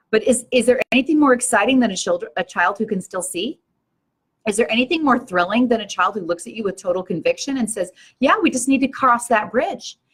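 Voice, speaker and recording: A woman's voice: medium pitch, fairly bright tone. An older woman hosting her own show, talking earnestly and with passion to her viewers in a preachy, rousing way. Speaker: show host. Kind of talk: live-stream talk to viewers.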